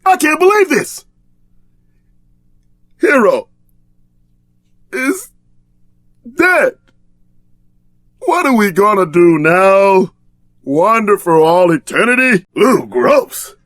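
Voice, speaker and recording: A man's voice: high-pitched, sing-song, very slow, pauses often, a bit bright, dry recording, studio quality, exaggerated voice. An actor voicing a brash, trash-talking tough-guy sidekick in a video game, bombastic and streetwise in exaggerated combat barks. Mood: grieving, then disgusted, gloomy.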